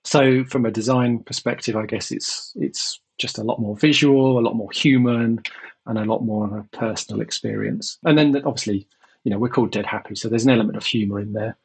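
A man speaking as a guest in a podcast interview, measured and repeating words as he thinks. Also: fairly low pitch, fairly even intonation, vocal fry, darkish tone, breathy edge. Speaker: guest, insurance company executive.

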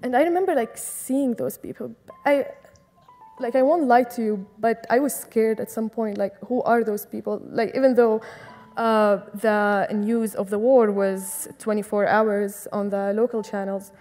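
A woman's voice: fairly high pitch, fairly even intonation, unhurried, darkish tone, soft background music. A young woman from Syria, speaking earnestly and with passion as an interview guest. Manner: earnest and impassioned. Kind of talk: conversational interview.

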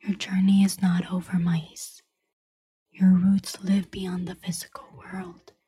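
Whispering otherworldly spirit, very dark soft tone, slow, solemn, calm, audio drama. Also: female voice, on the low side. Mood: solemn, guiding. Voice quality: breathy, whispery. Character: solemn, calm, guiding spirit of another world. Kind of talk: fictional audio story acting.

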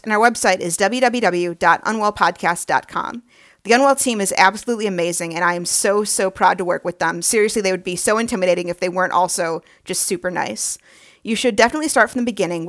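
A woman's voice: mid-range voice, fairly bright tone. Woman presenting an audio drama promo. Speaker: podcast writer introducing a show. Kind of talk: scripted promotional narration.

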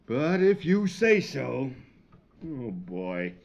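A man's voice: mid-range voice, sing-song, very slow, vocal fry, darkish tone, full character voice. A man playing a blustering, indignant, baffled husband in 1950s radio comedy, with a huffy, protesting manner. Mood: exasperated, baffled. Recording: dull vintage 1950s radio recording.

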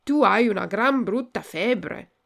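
A woman voicing a kind, wise little female marmot in a storybook, speaking gently and gravely. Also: medium pitch, animated, takes it slowly, exaggerated voice.

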